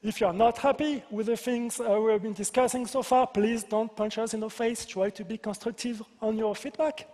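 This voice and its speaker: A man's voice: sits high, steady tone, moderate pace, few pauses, darkish tone. A man with a French accent giving a conference presentation as a game designer, playful and self-deprecating, with joking asides. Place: large convention hall. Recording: reverberant hall.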